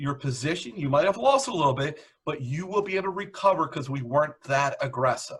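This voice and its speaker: This man has an ordinary speaking voice with fairly high pitch and ordinary pitch variation. He talks at a fairly quick pace. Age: 50s. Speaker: financial advisor. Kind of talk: podcast interview.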